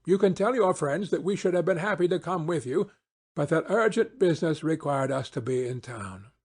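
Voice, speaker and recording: A man's voice: a little high, expressive, moderate pace, darkish tone, breathy edge. A man playing a confident, eager male detective in an audiobook, with commanding, precise phrasing. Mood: brisk, assured. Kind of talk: audiobook character acting.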